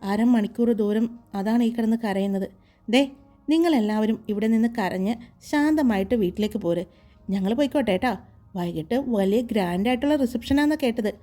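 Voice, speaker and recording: A woman's voice: a little high, moderate pace, dark tone, soft background music, close to an everyday voice. Woman doing a wry, mocking young man.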